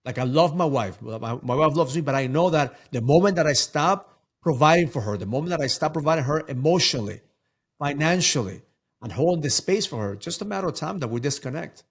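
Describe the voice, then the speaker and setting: A man's voice: a little high, expressive, fairly quick, breathy edge. A man talking as a guest coach in a casual interview, emphatic and preachy, often repeating words for stress.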